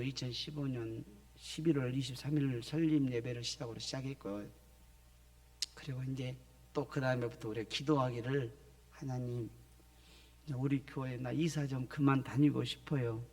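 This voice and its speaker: A man's voice: mid-range voice, steady tone, moderate pace, darkish tone. A middle-aged male missionary from the Jeolla region preaching in a church, telling his story with acted-out phone calls. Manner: storytelling, acting out phone calls in other voices. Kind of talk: sermon testimony. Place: church sanctuary.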